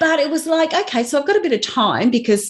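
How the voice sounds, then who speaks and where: At a moderate pace, a woman speaks over a quiet background. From Australia (born in London). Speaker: intuition coach, author. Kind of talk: interview conversation.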